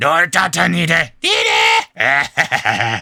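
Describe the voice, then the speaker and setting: A man shouts in a put-on character voice, shrill and at a medium pitch. His pitch swings very widely. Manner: yelling, demanding.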